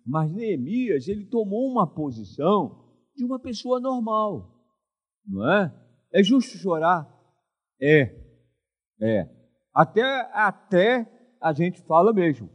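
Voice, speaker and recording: A man's voice: sits high, slow, pauses often. An older man, preaching a sermon as pastor and often asking the congregation for an amen. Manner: animated preaching with frequent call-and-response questions to the congregation.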